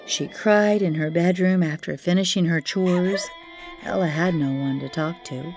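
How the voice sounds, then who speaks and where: A woman's voice: on the low side, measured pace, a little mellow. A woman storyteller narrating a children's fairytale expressively, with chatty asides to young listeners. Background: music.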